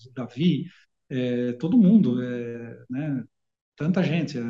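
At a very slow pace with long, frequent pauses, a man with a fairly high pitch and a dark, mellow, somewhat breathy tone uses lively intonation. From Brazil, Piracicaba (São Paulo state). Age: 40s. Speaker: orchestral violist. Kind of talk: casual interview chat.

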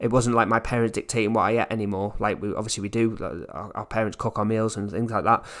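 In a very clean recording with a silent background, a man with an English accent speaks very fast with hardly any pauses, at a medium pitch and in a flat monotone. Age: 30s. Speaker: personal trainer. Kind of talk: solo podcast monologue. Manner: halting.

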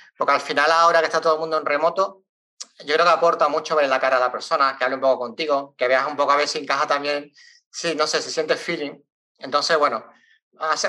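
Speaking very fast with an Andalusian accent, a man uses a fairly high pitch, fairly even intonation and a bright, sharp tone. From Andalusia, Cádiz. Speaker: software developer. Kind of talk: webinar talk.

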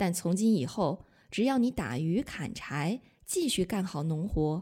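Very slow female voice at medium pitch, with very wide pitch swings, a dark, mellow tone and a somewhat breathy quality, in a very clean recording with a silent background. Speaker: podcast host and Chinese language teacher. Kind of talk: storytelling for language learners. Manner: slow and clear.

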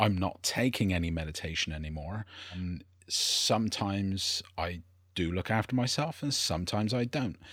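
Over a silent background on a very clean recording, a man with a very deep, low voice talks at a moderate pace with lively intonation. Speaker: podcast host. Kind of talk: casual interview chat.

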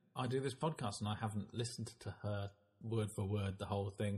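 A man's somewhat breathy voice sits on a very clean recording with a silent background. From Somerset, England. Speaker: political podcast co-host. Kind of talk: casual political chat.

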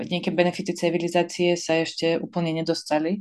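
A woman speaks in a fairly low pitch. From Ukraine, Odesa. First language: Ukrainian, also Russian (speaking Slovak). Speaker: political commentator, student. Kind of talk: interview.

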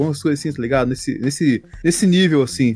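The pace here is fairly quick. The pitch swings very widely. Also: man. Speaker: podcast co-host. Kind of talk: casual chat.

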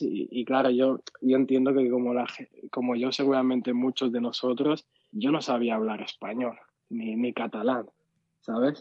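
A man talks in an ordinary speaking voice at a medium pitch. He goes at a fairly slow pace with fairly even intonation. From Mataró, Catalonia, Spain. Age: 20s. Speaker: engineer. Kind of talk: interview. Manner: casual, filler-heavy.

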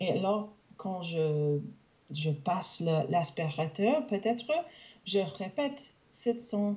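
A woman speaks at a very slow pace, leaving long, frequent pauses. Her somewhat breathy voice makes very wide pitch swings. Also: medium pitch for a woman. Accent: English. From Canada. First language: English (speaking French). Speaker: English teacher and language learner. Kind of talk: interview. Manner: halting, many hesitations.

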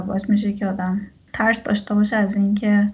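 At a very fast pace, a woman speaks in a medium pitch with monotone, flat intonation. Her voice is somewhat breathy. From Iran, Kermanshah. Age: 40s. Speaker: interviewee sharing personal story. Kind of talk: personal testimony interview.

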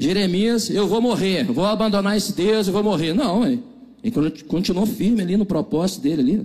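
In a Brazilian accent, a man speaks at a moderate pace with a high pitch and ordinary pitch variation. His tone is animated and his loudness very even. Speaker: preacher. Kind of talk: sermon with scripture reading. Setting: church. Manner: animated, conversational; informal, humorous, laughs.

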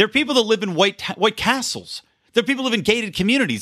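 A man projects a raised, high-pitched voice with an animated, bright and sharp tone. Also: dry, close sound with no echo. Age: 30s. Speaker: podcast host. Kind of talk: casual political commentary.

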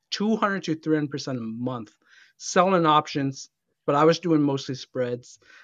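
A man with a plain, everyday voice and fairly high pitch speaks at a moderate pace. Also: ordinary pitch variation. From China, moved to eastern Canada at age 8. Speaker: stock options trader and trading mentor. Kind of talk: casual interview.

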